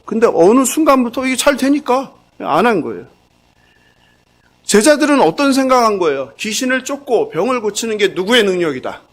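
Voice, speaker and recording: A man with a high voice preaching to a church congregation. His pitch swings widely as he keeps questioning his listeners. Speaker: pastor. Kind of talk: sermon. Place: church sanctuary.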